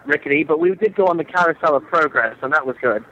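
British man caller, bright sharp voice, crude deadpan humor. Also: fairly high pitch, quick pace, lo-fi sound. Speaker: caller reporting from a theme park. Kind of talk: casual phone chat.

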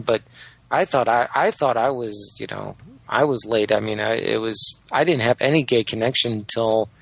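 A man's voice: mid-range voice, gravelly, no echo. A man co-hosting a casual chat, rambling through his points with many fillers.

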